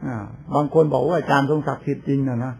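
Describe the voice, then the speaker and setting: Speaking very fast with a steady tone, a Thai Buddhist monk of advanced years delivers a relaxed sermon full of stories, laughs, and quoted voices. The medium-pitched voice has vocal fry and a slightly rough edge.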